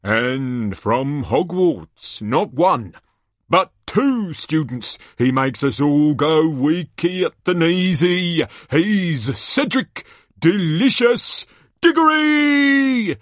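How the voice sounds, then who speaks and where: A man voicing a bombastic sports announcer from a storybook, a booming showman with drawn-out theatrical calls. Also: sing-song, a bit bright, no room sound, clean studio sound, full character voice. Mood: showy, excited. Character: bombastic male sports announcer hyping a tournament.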